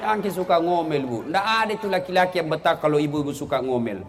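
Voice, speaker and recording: A man preaching a humorous sermon, animated and joking, dropping to low asides and rising to high exclamations. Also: fast, slight background noise.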